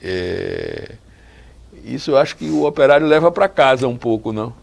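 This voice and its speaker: A man's voice: mid-range voice, animated, moderate pace, gravelly. A man in his sixties hosting a TV talk show, chatty and often restarting his sentences as he asks follow-up questions. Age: 60s. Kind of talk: casual interview chat.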